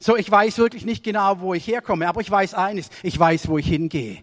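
High-voiced male preacher, storytelling sermon style, reverberant hall sound. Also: a little fast. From Germany. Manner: storytelling sermon with swings between raised emphasis and quiet asides.

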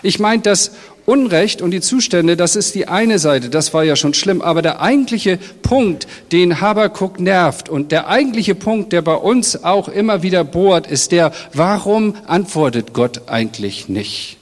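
A man's voice: high-pitched, animated, measured pace. A middle-aged man, a pastor, giving a sermon in a direct, conversational way and speaking straight to his congregation. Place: church hall. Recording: long reverb of a church hall.

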